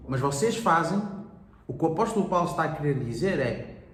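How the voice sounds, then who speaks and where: A man's voice: a little high, lively intonation, fairly quick, fairly bright tone. Guy explaining stuff in a bible study, lots of restarts and examples, roomy echo. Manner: explains at length with examples, restarts words, keeps agreeing. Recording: echoey room.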